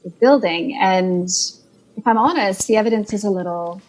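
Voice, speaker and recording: A middle-aged woman with a Canadian accent, speaking as a clinician guest on a podcast. She lays out research earnestly and in detail, building her points step by step, with a voice of middling pitch. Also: normal speed, darkish tone, poor audio. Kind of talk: podcast interview over a call.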